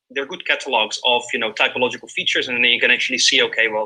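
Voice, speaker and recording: A man speaks with a Dutch accent. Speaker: linguistics lecturer. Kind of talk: lecture. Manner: halting, many fillers and repetitions; casual, animated.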